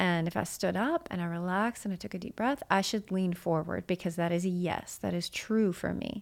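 Very clean recording, silent background, and a woman with an American accent at a medium pitch. She talks at a fairly quick pace with hardly any pauses. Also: ordinary pitch variation. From Arkansas (Jonesboro). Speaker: emotion code practitioner and yoga instructor. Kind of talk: casual interview; guided breathing instruction.

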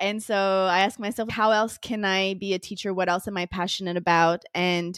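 A woman has an unremarkable speaking voice at a medium pitch, talking at a moderate pace with fairly even intonation. The sound is dry and close with no echo, on a very clean recording with a silent background. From Montreal, Canada. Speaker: yoga teacher and coach. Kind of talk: interview, personal story.

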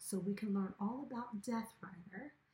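Speaking at a fairly slow pace, a woman has an ordinary speaking voice, a fairly high pitch and ordinary pitch variation. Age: 40s. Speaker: podcast host and actress. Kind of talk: casual interview.

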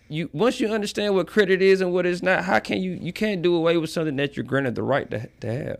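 An American-accented man talks at a very fast pace in a high voice, with lively intonation and hardly any pauses. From Atlanta, US South. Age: 30s. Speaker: entrepreneur. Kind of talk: casual interview.

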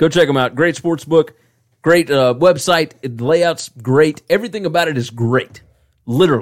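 Speaking at a moderate pace with a Southern US accent, a man uses a fairly high pitch and ordinary pitch variation. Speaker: podcast host. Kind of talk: casual banter.

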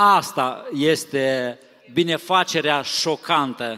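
Bright and sharp in tone, a man's voice comes out raised and projected. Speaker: interpreter. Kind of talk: consecutive interpreting of a sermon. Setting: church.

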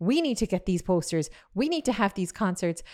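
A woman speaks in a Cork accent with very wide pitch swings. The recording is very clean, with a silent background. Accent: Irish, Cork. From Ireland. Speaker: vocal and business coach, former singer. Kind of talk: solo podcast monologue. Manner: casual, with fillers and restarts.

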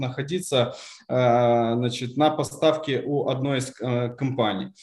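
The speaker is a man with a somewhat breathy voice. He keeps a moderate pace. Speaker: energy business representative. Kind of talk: panel discussion. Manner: halting.

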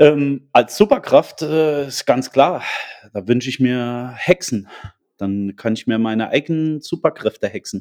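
A man talks fairly slowly with lively intonation at a medium pitch. His is an unremarkable speaking voice, recorded dry and close with no echo. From Saarland. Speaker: podcast host. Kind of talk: casual chat. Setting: remote online call.

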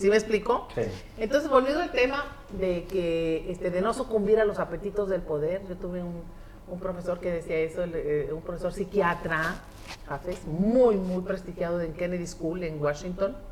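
The speech has ordinary pitch variation and a moderate pace, with noticeable background noise. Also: woman, medium pitch for a woman. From northern Mexico, Coahuila. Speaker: federal legislator. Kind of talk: interview.

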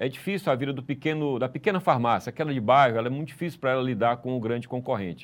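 Words rush out at a very fast pace, and the pitch rises and falls in an ordinary way. Behind the voice is a silent background on a very clean recording. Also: man. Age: 40s. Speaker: TV interviewer. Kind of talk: interview. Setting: TV studio.

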